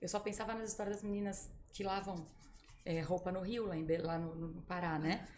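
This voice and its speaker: Fast-talking Brazilian woman telling a story. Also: lowish voice, a little hiss or hum. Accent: Brazilian Portuguese. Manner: lively storyteller who acts out quoted voices. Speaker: podcast guest. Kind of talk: casual storytelling in a podcast interview.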